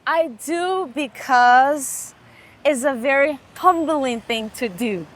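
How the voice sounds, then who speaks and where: A woman's voice: high voice, expressive, slow pace. A woman from Liberia who teaches languages, chatting casually on a street walk and often agreeing and repeating words. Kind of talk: casual chat while walking. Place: outdoors in a city street.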